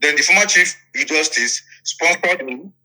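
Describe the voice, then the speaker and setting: A man's voice: a little high, expressive, unhurried, bright, forceful tone, rough recording. A man with a Nigerian accent telling his account in an interview, emphatic, repeating phrases and checking that his listener follows. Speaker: interviewee, politician. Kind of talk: interview storytelling.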